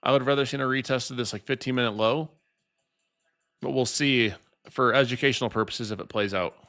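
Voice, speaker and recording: A man's voice: medium pitch, steady tone, a little fast, fairly bright tone. A man in his late twenties chatting casually with his live-stream viewers while trading, teasing them and laughing often. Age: 20s.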